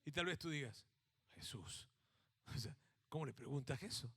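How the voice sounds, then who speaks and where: A middle-aged man from Mexico with a Mexican accent, preaching a sermon with animated storytelling that swings from acted-out shouts to hushed emphasis. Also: fairly high pitch, unhurried, husky. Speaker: pastor.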